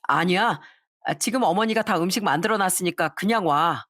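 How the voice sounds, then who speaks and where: A woman's voice: on the low side, a little fast, a bit bright, no echo, studio quality. A woman voicing a husband who holds his anger in and speaks curtly. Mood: restrained. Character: angry husband holding back.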